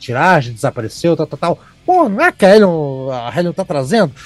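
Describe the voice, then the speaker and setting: A man with a fairly high voice talks at a very fast pace with lively intonation. The sound is dry and close with no echo, and music plays in the background. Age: 40s. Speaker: podcast host and music reviewer. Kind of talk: casual chat.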